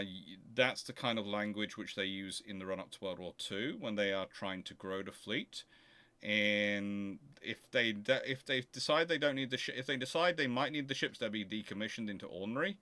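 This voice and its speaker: A man with a slightly low, bright and forceful voice hosts an informal question session. He explains emphatically, rambling and correcting himself as he builds his argument. The sound is dry, with very little room in it. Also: no echo. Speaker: host of a naval history question show. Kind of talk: casual livestream Q&A with rambling explanation.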